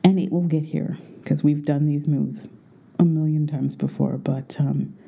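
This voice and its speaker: A woman's voice: low-pitched, steady tone, a little slow, gravelly, dark tone, breathy edge. A jet-lagged woman chatting casually and rambling to her viewers from her bedroom while recording under a blanket, which muffles her voice. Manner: chatty, rambling, self-correcting. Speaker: vlogger.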